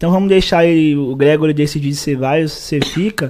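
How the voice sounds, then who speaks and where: A man with a normal speaking voice talks fairly quickly at a fairly high pitch with fairly even intonation. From Minas Gerais, Brazil. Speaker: DJ and music producer. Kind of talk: casual chat.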